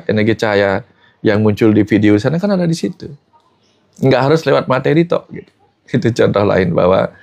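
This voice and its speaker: A man's voice: mid-range voice, creaky, a little mellow. A man in a casual spiritual talk, telling stories and often addressing his host by name. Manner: storytelling, repeats the host's name often; quotes people in the story. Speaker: spiritual teacher.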